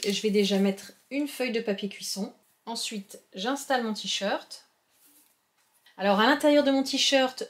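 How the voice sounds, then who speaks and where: A woman with a slightly high voice hosts a home crafting tutorial. She explains each step plainly and instructively, in a friendly tone, as if working at her own craft table. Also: slight background noise.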